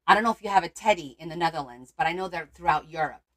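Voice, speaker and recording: This Portuguese crafting livestreamer talks rapid-fire in a lowish, fairly bright voice with lively intonation. She thinks aloud as she works and fields viewer comments in relaxed chat.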